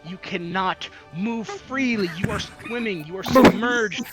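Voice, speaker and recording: A man's voice: high-pitched, a little slow. A man narrating as game master of an online roleplay, describing events with dramatic, building intensity. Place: online voice chat. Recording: background music.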